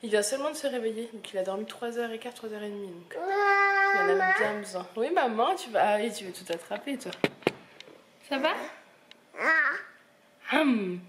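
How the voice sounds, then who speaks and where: A woman's voice: a little high, animated, moderate pace, long pauses, very noisy. A woman, a mother, casually narrating her day at home to the camera in a family vlog.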